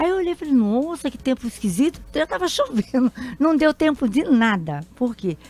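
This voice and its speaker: A woman talks at a moderate pace with a high pitch and very wide pitch swings. The sound is dry and close with no echo. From Brazil, São Paulo. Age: 70s. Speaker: retired schoolteacher. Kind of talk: radio interview. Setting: radio studio.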